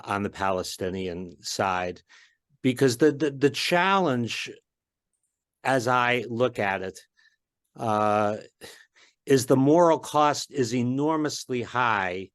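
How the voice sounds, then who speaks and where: A man's voice: medium pitch, a bit bright. A man hosting a Q&A, asking questions in an earnest, searching way with frequent hesitations and restarts. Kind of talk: Q&A moderation.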